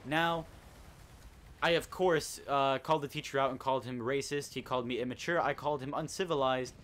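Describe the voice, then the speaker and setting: A man's voice: mid-range voice, a little fast, fairly bright tone. Chatty teenage boy telling a story. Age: teens. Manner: chatty storyteller, indignant, rambling. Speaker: host. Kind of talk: casual gaming commentary chat.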